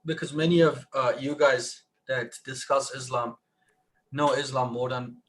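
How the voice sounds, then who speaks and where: Man telling a story in halting restarts. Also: medium pitch, fairly even intonation, a bit bright, poor audio. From Iran. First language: Persian. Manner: halting, many restarts, rising emphasis. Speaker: panelist. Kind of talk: live online discussion.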